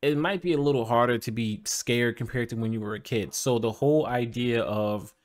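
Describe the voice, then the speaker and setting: Male podcast host, mid-pitched, easygoing, agreeable, quick to laugh. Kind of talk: casual podcast chat.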